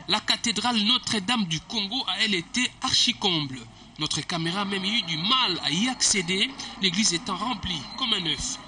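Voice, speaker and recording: A man reading a formal news report as a voice-over, measured and even. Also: sits high, slight background noise.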